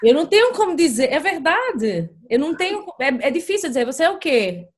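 A woman with a high-pitched voice and a Brazilian Portuguese accent. She talks in a conversational way, as a co-host discussing a subject with others. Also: big pitch swings, fairly quick.

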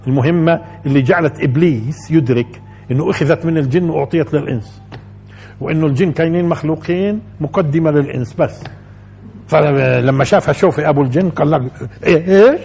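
A man's voice: on the high side, creaky, darkish tone, breathy edge. A man with a Levantine Arabic accent gives a Quran commentary lesson, repeating phrases and putting questions to his listeners. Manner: explains by repeating phrases and asking the audience questions. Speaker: religious teacher.

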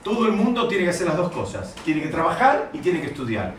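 A man with a Rioplatense accent and a slightly high voice teaches a Torah lesson in a classroom. He keeps asking his listeners questions and restates his points as he goes. The microphone sits some way off in an echoey room, with faint ambience behind him. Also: wildly swooping pitch, fairly quick, a little hiss or hum. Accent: Rioplatense Spanish. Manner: poses rhetorical questions to the class and rephrases often. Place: classroom with students. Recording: roomy recording with mic at a distance.

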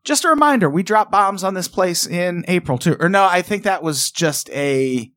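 A man's voice: sits high, expressive, moderate pace, a bit bright, no room sound, clean studio sound. A man co-hosting a podcast, talking in a sarcastic, wry, casual way. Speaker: podcast co-host. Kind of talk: casual comedic chat.

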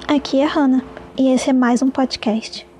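A woman's voice: high voice, steady tone, moderate pace, music in the background. A young woman hosting her own podcast, musing and rambling in a self-mocking, repetitive way. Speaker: podcast host. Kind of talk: casual rambling monologue.

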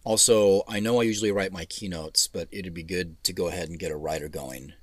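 Deep-voiced, weary tech executive. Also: male voice, breathy edge, no echo. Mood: businesslike. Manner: measured, low-key dictation in short phrases. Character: weary male tech CEO dictating texts, polite, businesslike.

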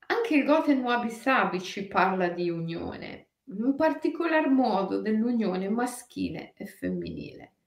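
A woman teaching a guided spiritual lesson, drawing out chanted syllables slowly and answering viewers by name. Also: mid-range voice, creaky. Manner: slow, drawn-out chanting of syllables. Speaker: meditation teacher. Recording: roomy echo.

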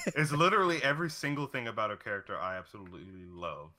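A young man with a fairly low but very bright, forceful voice talks as an excited anime fan. He gushes casually and crudely, swearing often, like a co-host chatting with a friend. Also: quick pace. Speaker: co-host of an anime discussion show. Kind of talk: casual chat.

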